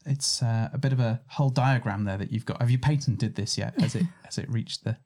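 Male host, mid-pitched, playful banter, punning. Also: brisk, a little mellow. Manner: teasing, punning. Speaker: podcast co-host. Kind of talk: casual podcast chat.

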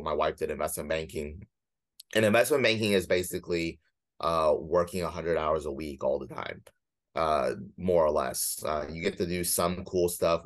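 A man in his thirties casually recounting his own life and career in a matter-of-fact way, with dry self-deprecation. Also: rumbling low. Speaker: guest, former corporate lawyer. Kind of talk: casual autobiographical storytelling.

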